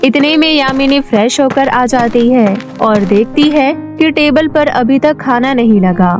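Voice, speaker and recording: A woman narrating a cartoon moral story in a steady scripted storytelling voice. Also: high-pitched, a little slow, faint music behind.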